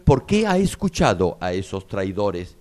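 A man's voice: on the low side, very animated, measured pace, darkish tone. A man voicing the faithful prophet Daniel in a solemn, raised reading. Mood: aggrieved.

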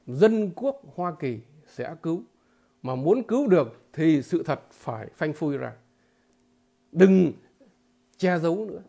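A man giving a political commentary monologue to his viewers, halting and repeating filler words, emphatic and blunt. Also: a little high, animated, creaky, mellow. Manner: emphatic, with blunt crude imagery.

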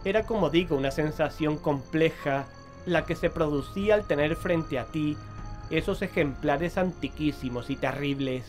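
An uneasy investigator, played by a man, tells a horror story in measured, dramatic phrases. His voice sits a little high for a man, with faint music underneath, in the manner of an audio drama. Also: natural voice. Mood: ominous. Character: uneasy male investigator recounting a horror tale. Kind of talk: scripted first-person horror narration.

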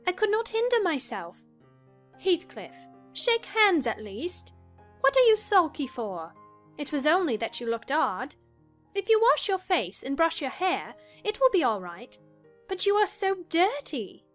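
A woman voicing a lively, teasing young girl of the gentry in a dramatized audiobook, exclamatory and blunt. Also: very high-pitched, a little slow, faint music behind, voice pushed up, exaggerated voice. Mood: coaxing, blunt. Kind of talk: dramatized audiobook character reading.

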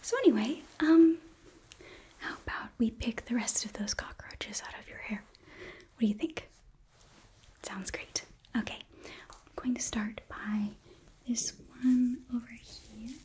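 A young woman playing an eager, apologetic demon princess who runs a hotel, gently whispering in an ASMR roleplay with a hesitant manner. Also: a little high, a little slow, pauses often, lightly acted. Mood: flustered, polite. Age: young adult. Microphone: close microphone, seated before camera.

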